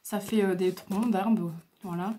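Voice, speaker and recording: At a measured pace, a crafting video host shows off her craft supplies in casual show-and-tell, her mid-range voice steady and dark in tone. She hesitates and uses plenty of fillers. It was recorded at home on a camera mic, with a little hiss or hum.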